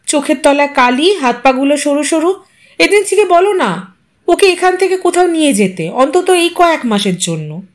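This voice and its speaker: A woman voicing a sharp, bossy, anxious wife who scolds and demands in an audio story. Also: high voice, very animated, moderate pace, pitched above the performer's own voice. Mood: scolding.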